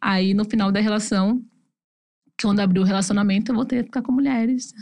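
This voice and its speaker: Her mid-range voice is steady and a little mellow as this Brazilian guest on a podcast shares her personal story. She talks fast and candidly, performing the quoted voices of her family.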